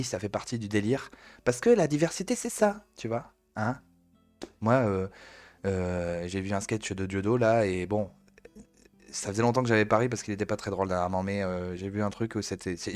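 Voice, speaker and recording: Sarcastic low-voiced male stream host. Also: no room sound. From France. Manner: sarcastic, mocking, blunt. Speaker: host of a live news review stream. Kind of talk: casual live commentary.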